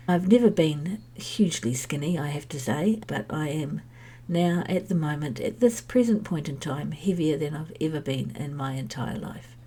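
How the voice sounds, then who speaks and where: Low, husky woman with a head cold. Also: warm tone. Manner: candid, chatty, meandering. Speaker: podcast host sharing her health journey. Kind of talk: personal podcast monologue.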